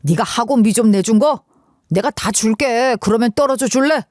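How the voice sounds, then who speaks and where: A woman's voice: fairly high pitch, moderate pace, darkish tone, no room sound, clean studio sound, natural voice. A woman voicing an arrogant, contemptuous young man in a dramatized story, with a sneering, dismissive drawl.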